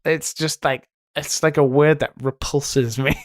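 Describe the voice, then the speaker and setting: A man from Wales with a mostly neutral British accent that has picked up American sounds, co-hosting a podcast in casual chat, soft-spoken and rambling with a lot of "like". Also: a little high, fairly even intonation, measured pace, no echo, studio quality. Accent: mostly neutral British with some American pronunciations. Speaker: podcast co-host.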